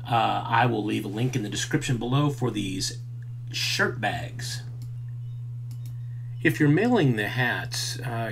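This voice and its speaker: In a hands-on tutorial, a maker in his fifties teaches a craft at an unhurried pace and an ordinary pitch, relaxed and chatty with frequent fillers. A faint hum runs under the recording, and the setting moves from an indoor workbench to a farm fence outdoors.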